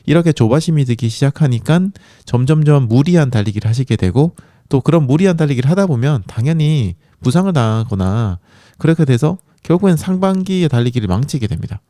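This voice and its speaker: A man with a medium-pitched, warm voice hosts a running podcast, delivering a chatty, encouraging monologue full of fillers. His throat is sore from a cold that's coming on, and the recording is dry and studio quality.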